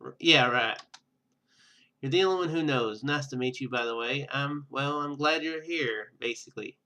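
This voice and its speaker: A man's voice: mid-range voice, moderate pace, pushed and bright, natural voice. A man voicing a determined young female student and secret fighter in a visual novel game, earnest and confiding.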